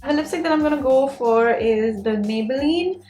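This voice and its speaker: Young woman, Indian Punjabi accent, higher-pitched voice, informal beauty vlog chat, candid delivery, music underneath. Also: moderate pace, mellow. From Mumbai, India. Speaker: beauty vlogger. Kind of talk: casual chatty Q&A while doing makeup. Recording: roomy echo, music behind.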